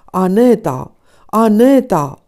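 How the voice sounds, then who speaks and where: A woman reading an audiobook voices a sickly, irritable male painter who speaks hoarsely and with agitation. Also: on the low side, lively intonation, dark tone, close to an everyday voice. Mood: shouting. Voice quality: hoarse, strained. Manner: agitated, exasperated.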